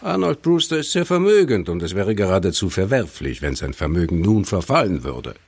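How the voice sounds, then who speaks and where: A man's voice: low voice, big pitch swings, darkish tone, breathy edge, no room sound, clean studio sound, full character voice. An actor playing a shady, inscrutable male lawyer in a German radio drama, letting his words drop casually and without fuss. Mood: smooth, casual. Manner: lets words drop casually, unfussy, slightly drawn-out.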